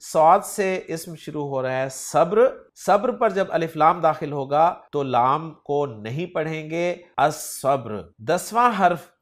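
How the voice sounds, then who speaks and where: Slow, methodical male lecturer. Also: fairly high pitch. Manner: slow, methodical, repeats each rule. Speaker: Arabic grammar teacher. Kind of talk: recorded lecture.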